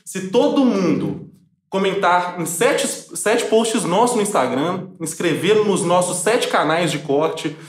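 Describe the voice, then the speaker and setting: A man's voice: high voice, expressive, slow pace, echoey room. A Brazilian man hosting a podcast in a casual, playful, tongue-in-cheek way. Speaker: podcast host. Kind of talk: casual, joking podcast chat.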